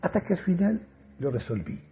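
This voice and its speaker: A man's voice: high voice, big pitch swings, moderate pace, dark tone, breathy edge, muffled recording. A man performing a comic first-person radio monologue in a theatrical, mock-solemn manner. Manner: dramatic, mock-solemn delivery.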